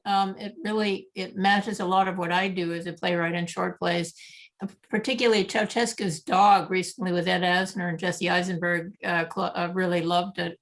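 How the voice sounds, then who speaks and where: A woman participant speaking casually on an online call as she puts comments and a question to the speakers. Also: medium pitch. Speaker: audience questioner, playwright. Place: remote video call.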